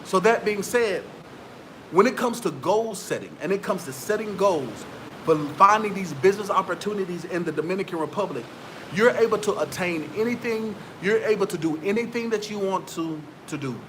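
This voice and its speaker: A man's voice: high voice, expressive, moderate pace, fairly bright tone, a little hiss or hum, low-quality recording. A man, giving motivational business advice straight to his viewers in a preachy, repetitive way. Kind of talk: motivational talk to camera.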